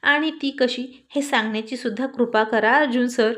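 A feisty wife and mother snaps back at her teasing husband in a storybook tale, as a woman puts her on. The voice is fairly high, huffy and scolding. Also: unhurried, a little mellow, close to an everyday voice.

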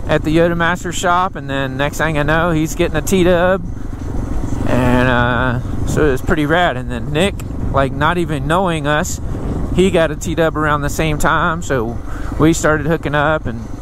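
A man's voice: on the high side, normal speed. A middle-aged man casually narrating a motorcycle ride, rambling and easygoing with plenty of fillers, recorded outdoors on a helmet-mounted mic. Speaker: motorcycle vlogger. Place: outdoors riding a motorcycle on dirt trails. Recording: engine and wind noise under the voice. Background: motorcycle engine and wind noise.

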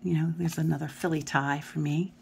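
A middle-aged woman with a Philadelphia accent talks at her table, her low voice carrying a gravelly fry. She rambles through a tarot deck in a chatty, casual way, often dropping to a near murmur. The mic hangs above her hands on the table. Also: steady tone, brisk, darkish tone, slight background noise. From Philadelphia area. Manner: chatty, rambling, often drops to a murmur while looking at cards. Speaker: tarot video host. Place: home table. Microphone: camera above the hands, speaker off frame.

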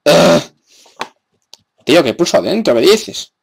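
A man's voice: fairly high pitch, sing-song, unhurried, creaky, breathy edge. A young man with a Spain Spanish accent giving gameplay commentary, sarcastic and exasperated, with frequent cursing. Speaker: gamer.

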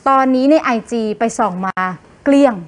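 A woman's voice: high voice, moderate pace. A woman co-hosting a television entertainment news show, presenting celebrity stories playfully and teasing her co-host. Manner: playful, expressive, teasing questions.

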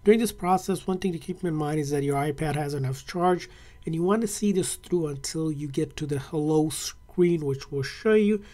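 Man, tech tutorial host, mellow dark tone, casual step-by-step talk, indoor desk recording. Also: fairly high pitch, normal speed. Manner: casual, friendly, with fillers. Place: indoor desk setup, hands on tablet.

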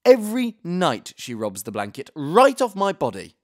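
A man's voice: a little high, wildly swooping pitch, normal speed, a little mellow, pitched above the performer's own voice. A male actor playing a weary young man who complains in an exasperated way about losing sleep.

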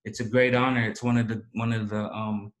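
Low, flat-voiced man hosting a reading. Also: low-quality recording. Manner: halting, many fillers and restarts. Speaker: poetry reading host. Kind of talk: casual hosting and poetry reading. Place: small indoor room with banner backdrop.

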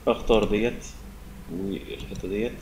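A young man with an Egyptian Arabic accent giving a relaxed, step-by-step software tutorial at his desk. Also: fairly low pitch, moderate pace, slight background noise. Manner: relaxed, step-by-step explaining with many fillers. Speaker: software instructor. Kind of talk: screen-recorded software tutorial.

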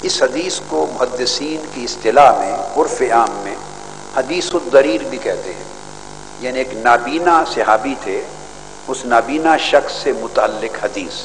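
A man's voice: medium pitch, animated. Older man lecturing in a stadium. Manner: measured, scholarly, with rising emphatic stretches. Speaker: religious scholar giving a hadith lesson. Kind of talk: formal religious lecture. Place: large outdoor stadium stage. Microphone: podium microphones. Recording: hall echo, faint background noise.

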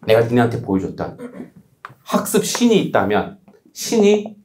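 A man lecturing students as a study coach. He talks bluntly and casually, teasing them with quick rhetorical questions. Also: medium pitch, wildly swooping pitch, darkish tone, echoey room, a little hiss or hum.

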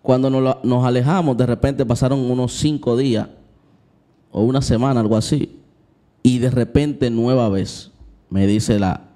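A man's voice: medium pitch, steady tone, moderate pace, mellow. A young man tells a personal story in a vlog. He speaks candidly and confessionally, talking straight to his viewers and acting out the moments he describes. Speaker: Christian vlogger.

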